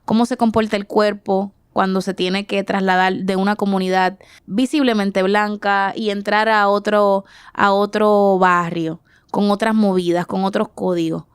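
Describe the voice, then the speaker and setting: A woman in her forties, born in the Dominican Republic, speaks as an artist guest. Her voice is smooth and clear, recorded dry and close. She pauses and restarts as she reaches for ideas. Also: medium pitch, little pitch movement, no room sound. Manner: thoughtful, searching for words, frequent restarts. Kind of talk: reflective interview answers.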